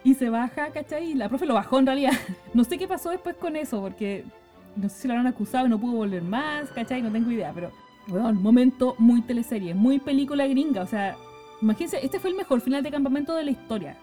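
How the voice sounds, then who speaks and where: A woman's voice: high voice, faint music behind. A young adult woman with a Chilean accent casually telling a story, chatty and full of slang tags. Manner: chatty, peppered with slang tags, quick and lively.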